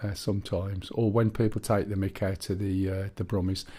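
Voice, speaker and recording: A man's voice: sits low, flat delivery, normal speed, dark tone. A man with a Black Country accent chatting casually while live-streaming a flight game and reading viewer chat aloud.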